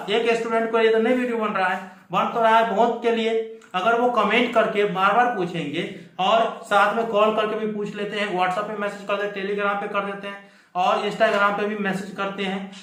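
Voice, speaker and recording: A man's voice: sits high, fairly bright tone. A man giving an emphatic explanatory update to viewers, repeating his points, as host of a student news channel. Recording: echoey room.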